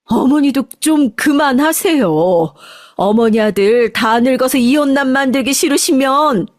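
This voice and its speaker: A woman's voice: mid-range voice, moderate pace, no room sound, clean studio sound, natural voice. A woman voicing a fierce, protective middle-aged mother who stands up for her daughter. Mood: indignant. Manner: shouting, indignant.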